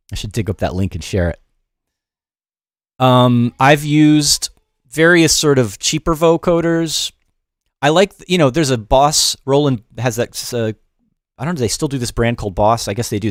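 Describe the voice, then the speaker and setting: Middle-aged male host, relaxed and rambling, mid pitch, dry close studio sound. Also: no echo. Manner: loose, off-the-cuff, many fillers and restarts. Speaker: music production instructor and livestream host. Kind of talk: casual livestream tutorial, chatting with viewers. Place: home studio in New York.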